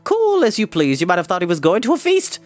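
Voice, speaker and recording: A man voicing an excitable, boastful wandering bard who talks in a breathless rush. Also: high-pitched, quick pace, pitched above the performer's own voice. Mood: excited.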